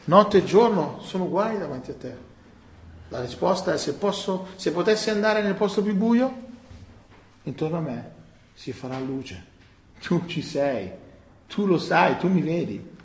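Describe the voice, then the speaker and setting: A male preacher with a fairly high voice delivers a sermon in an echoey hall. He rises to loud, emphatic lines and then drops to quiet, low asides. The room adds noticeable reverb to every phrase. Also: animated, unhurried, long pauses.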